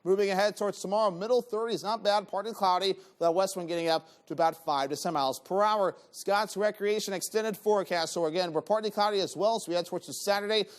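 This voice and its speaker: A man delivers a TV weather forecast in a loose, ad-libbed way. His voice is notably high for a man, and he talks quickly.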